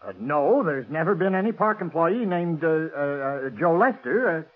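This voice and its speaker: A man's voice: a little high, lively intonation, measured pace. Flustered radio businessman. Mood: defensive, flustered. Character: flustered, protesting male amusement park owner. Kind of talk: 1940s radio drama acting. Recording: muffled, narrow-band 1940s radio recording.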